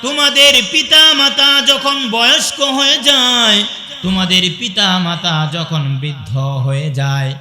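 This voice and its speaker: A man with a Bangladeshi Bengali accent preaching a waz sermon, chanting Arabic verses in a slow singsong and calling out questions to the crowd. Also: high-pitched, bright, forceful tone. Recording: echoey hall with long reverb.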